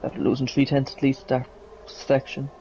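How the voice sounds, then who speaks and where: A man's voice: mid-range voice, completely flat delivery, moderate pace, warm tone. A man giving casual motorsport co-commentary with brief opinions on the race. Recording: dull lo-fi mic, faint noise.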